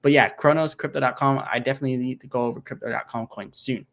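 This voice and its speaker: Man, livestream host, rambling, casual, thinks out loud, lots of fillers. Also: medium pitch, fairly even intonation, fast. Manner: rambling, thinks aloud while doing math, many fillers. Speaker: crypto channel host. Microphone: home computer setup, single monitor.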